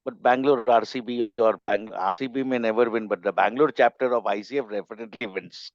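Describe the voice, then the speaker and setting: An Indian English-accented man speaks his mind on a video call, stressing points with pauses and restarts. The call audio is slightly dull and very dry, with no room sound. His pitch sits in a middle register. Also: no echo. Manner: opinionated, emphatic, with pauses and restarts. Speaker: coaching chapter member. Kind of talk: casual online meeting chat.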